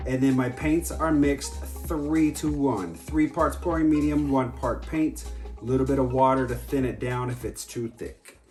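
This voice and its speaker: A man's voice: mid-range voice, steady tone, measured pace, darkish tone. A man who is sick and congested, with a sore throat, hosting a casual painting vlog and talking in a rambling way with frequent ums. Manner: chatty, rambling with ums and laughs. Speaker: acrylic pour painting channel host. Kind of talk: casual tutorial vlog chat. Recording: roomy echo, faint background music.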